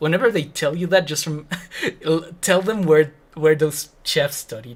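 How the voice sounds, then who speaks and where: A man with a fairly high, somewhat breathy voice talks at a moderate rate, his pitch varying in an ordinary way. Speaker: streamer. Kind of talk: livestream Q&A. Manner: halting, many fillers.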